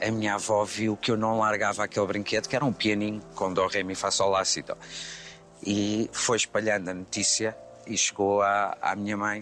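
Speech comes at a moderate pace. The delivery is monotone and flat. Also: man, fairly low pitch for a man. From Lisbon, Portugal. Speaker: actor. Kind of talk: interview. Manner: halting.

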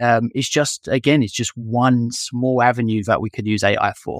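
A man's medium-pitched voice in an English accent, with fairly even intonation and a dry, close sound with no echo. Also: very clean recording, silent background. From England. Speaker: managing director of a software company. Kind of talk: podcast interview.

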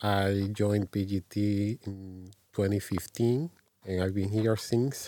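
Speaking at a very slow pace, a man has a dark, mellow tone, a fairly low pitch and fairly even intonation. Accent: Dominican. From Dominican Republic. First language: Spanish. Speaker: corporate trainer. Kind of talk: casual chat. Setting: studio.

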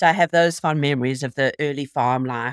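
A woman's very deep, low voice with a South African accent at a moderate pace, in a very clean recording with a silent background and a dry, close sound with no echo. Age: 50s. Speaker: healthcare executive. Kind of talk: interview.

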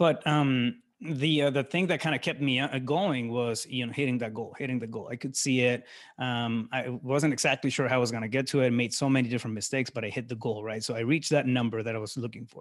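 A man with an American accent at a very fast pace, with hardly any pauses and fairly even intonation, in a very clean recording with a silent background. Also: medium pitch for a man. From US Southwest, Yuma, Arizona. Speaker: business coach and organizational psychologist. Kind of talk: interview. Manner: halting, many fillers.

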